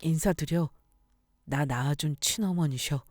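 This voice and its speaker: A woman's voice: low voice, unhurried, a little mellow, no room sound, clean studio sound, faint music behind. A woman voicing an apologetic husband. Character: remorseful husband, adult man, pleading.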